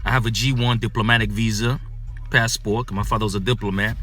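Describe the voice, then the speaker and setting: Animated man telling a story from his car. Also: lowish voice, quick pace. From Ghana. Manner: animated, repetitive storytelling with many fillers. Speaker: vlogger. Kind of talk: casual storytelling. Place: inside a car at night. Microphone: phone camera held close.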